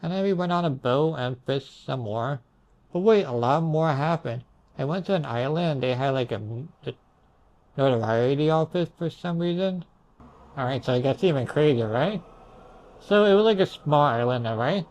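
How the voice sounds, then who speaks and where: A man's voice: mid-range voice, moderate pace, a little mellow. A young man with a mid-range voice recounts his dreams casually. He sounds hazy and puzzled, drifting into asides and circling back as he tries to piece things together. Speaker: storyteller recounting own dreams. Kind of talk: casual rambling storytelling.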